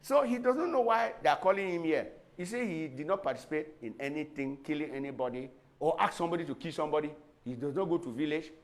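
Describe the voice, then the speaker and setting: A man, a lawyer earnestly recounting events in an interview with measured, repetitive phrasing. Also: a little high. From Cameroon.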